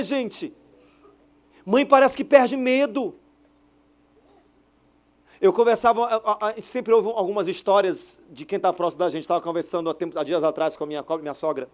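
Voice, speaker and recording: A pastor in his thirties preaches to his congregation. He tells stories with energy and acts out quoted dialogue, and his voice sits a little high for a man. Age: 30s. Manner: animated, acting out his mother in quoted dialogue. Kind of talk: sermon. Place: hotel auditorium church service.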